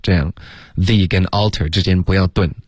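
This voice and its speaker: A man teaching English pronunciation on a radio lesson, correcting each caller and modeling words slowly. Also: deep voice, fairly even intonation, a little mellow, husky, dry recording, clean studio sound.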